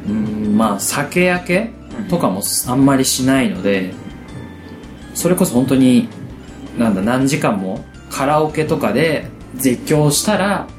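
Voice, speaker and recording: A man chatting casually as a co-host in a matter-of-fact, gently chiding manner. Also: mid-range voice, animated, a little slow. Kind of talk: casual chat. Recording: echoey room with music behind. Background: background music.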